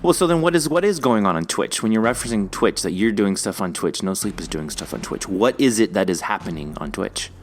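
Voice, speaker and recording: Lively low-voiced man hosting a podcast. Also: fairly quick, few pauses, slight background noise. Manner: enthusiastic, informal, swears casually. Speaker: podcast host interviewing a guest. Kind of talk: casual, joking interview chat.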